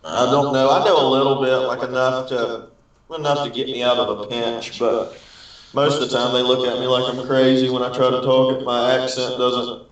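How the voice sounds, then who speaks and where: A man's voice: medium pitch, little pitch movement, normal speed, lo-fi sound. A man chatting casually and telling anecdotes, recorded in a very echoey room at a distance from the mic. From Alabama, United States. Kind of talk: casual chat, storytelling.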